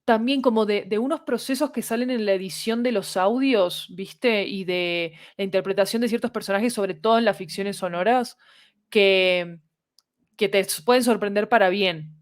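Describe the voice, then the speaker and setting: A woman's voice: medium pitch, normal speed. Latin American woman explaining in casual conversation. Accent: Latin American Spanish. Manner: explanatory, checks in with tag questions. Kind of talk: casual conversational podcast talk.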